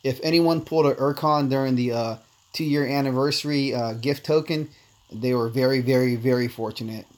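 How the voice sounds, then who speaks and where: This livestream host, born in Korea with Korean as his first language, chats easily with viewers during mobile gameplay. He uses a mid-range voice at a moderate pace with fairly even intonation, reading the chat aloud and calling everyone "man" in a relaxed, chatty way.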